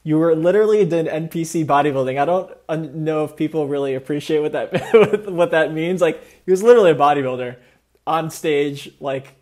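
A man's voice: fairly high pitch, fairly quick, darkish tone. A man in his thirties hosting an interview over a video call, chatty and eager, with earbuds. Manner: eager, chatty, many fillers. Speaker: host. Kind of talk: casual interview talk. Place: indoor room. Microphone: wired earbuds on a video call.

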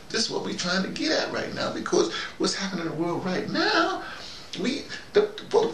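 A bit bright and on the high side, an older man's voice carries a rambling, preachy, folksy monologue full of repeated phrases for emphasis. He is an American vlogger and audio dramatist. The audio is roomy and distant, with faint noise in the background.

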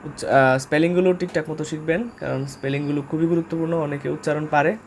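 A man's voice: fairly high pitch, steady tone, fast talker, slight background noise. Hesitant Bangladeshi man teaching vocabulary. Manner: informal and hesitant, frequent "uh" fillers, spells words out letter by letter. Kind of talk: casual spoken vocabulary lesson.

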